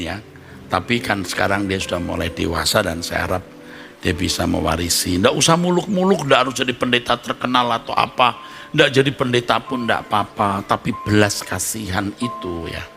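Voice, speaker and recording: A middle-aged male pastor with a low, gravelly voice preaches a sermon in a chatty, conversational way. He acts out little exchanges between people and now and then jumps up into loud, high emphasis. Music plays clearly beneath him. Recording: music playing underneath.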